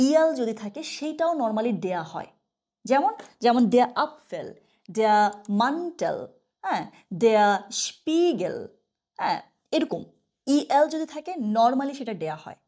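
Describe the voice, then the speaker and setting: A woman giving a casual online German lesson. She chats freely, keeps asking "okay?", and says her example sentences slowly and carefully. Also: a little high, big pitch swings, darkish tone. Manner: chatty, asks "okay?" often, slow careful example sentences. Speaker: German teacher.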